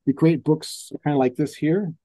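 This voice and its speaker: Mellow-voiced man telling animated stories. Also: fairly high pitch, normal speed, dry recording. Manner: animated, acts out quoted voices, restarts often. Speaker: portrait photographer telling client stories. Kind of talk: casual storytelling in an interview.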